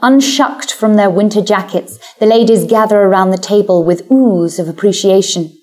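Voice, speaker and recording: A woman's voice: mid-range voice, normal speed, a little mellow. A woman with a British accent narrating a first-person story in a wry, confident, self-mocking way. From Britain. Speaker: audiobook narrator.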